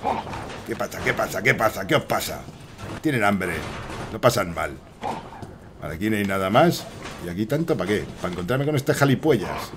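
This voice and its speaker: A man with a Spain Spanish accent, commenting live on a horror game he is playing, with frequent swearing and excited outbursts at enemies and chat. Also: fairly low pitch, normal speed, long pauses, background noise. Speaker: streamer.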